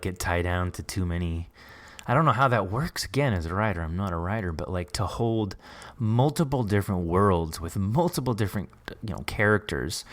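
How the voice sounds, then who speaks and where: A man hosting a relaxed, conversational interview, feeling his way through questions and rephrasing them as he goes. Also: deep voice. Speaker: podcast host interviewing a writer.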